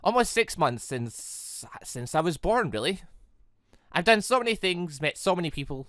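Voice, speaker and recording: A gaming video host talks in a bright, forceful voice with very lively pitch movement. The delivery is casual and rambling, full of tangents and self-corrections. The sound is dry, with hardly any room in it. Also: normal speed, no echo. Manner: chatty, digressive, self-correcting. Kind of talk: casual rambling game commentary.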